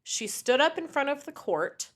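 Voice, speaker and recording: Young female co-host, casual swearing storyteller, lively pitch. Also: normal speed. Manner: animated storytelling, frequent swearing. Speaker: podcast co-host. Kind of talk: casual true crime podcast chat.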